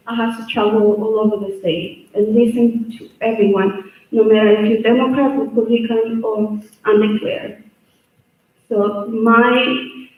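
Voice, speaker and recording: A woman's voice: fairly high pitch, darkish tone. Earnest woman with Salvadoran Spanish accent. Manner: earnest, repeats phrases and restarts. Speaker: state representative giving public testimony. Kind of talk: public comment at a hearing. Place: large echoey hearing room. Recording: echoey hall, voice far from mic.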